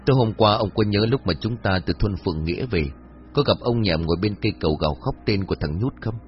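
A man's voice: lowish voice, quick pace, close to an everyday voice. A man voicing a serious, earnest young village man. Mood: grave. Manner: grave and earnest. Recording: dull lo-fi audio with faint music.

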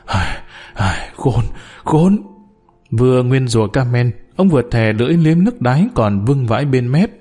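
A man narrating a dramatic audiobook in a vivid, measured way. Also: medium pitch, lively intonation, dark tone. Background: faint music.

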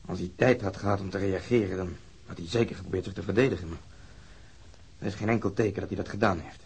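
An actor playing a gruff, blunt police detective in a radio drama, with a gravelly, husky voice. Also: male voice, low-pitched, steady tone, fast, darkish tone, heavily acted. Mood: sober, blunt. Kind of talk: naturalistic radio drama acting.

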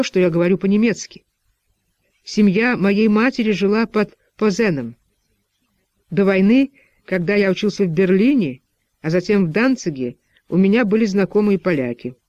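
A man's voice: sits high, darkish tone, no room sound, lo-fi sound. A man voicing a reserved, weary middle-aged doctor who gives curt, guarded replies.

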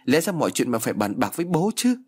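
A man's voice: mid-range voice, very animated, fast talker, a little mellow, breathy edge, pitched above the performer's own voice. A man voicing a reproachful young son who scolds his mother.

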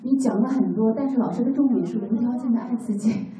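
A high-pitched woman with a Chinese mother tongue, speaking up in class earnestly and apologetically. Her tone is very dark and mellow, and she sounds far from the mic in a very echoey room. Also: fast. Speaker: student. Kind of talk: class discussion.

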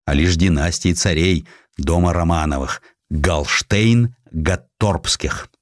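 A man reading historical prose as a dramatic scripted narration, in expressive, measured storytelling. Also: deep voice, no echo, clean studio sound. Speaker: audiobook narrator.

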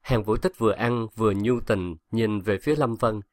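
Low-voiced man narrating a novel. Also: moderate pace, a little mellow, no room sound, studio quality. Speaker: audiobook narrator. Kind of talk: scripted narration of a web novel.

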